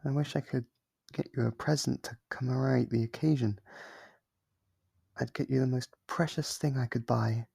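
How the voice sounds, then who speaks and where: A man voicing a lonely, clingy sealed demon who is sweetly manipulative, in an ASMR roleplay with soft-spoken, wheedling talk. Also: mid-range voice, fairly even intonation, normal speed, vocal fry, slightly rough, dry recording. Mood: tender.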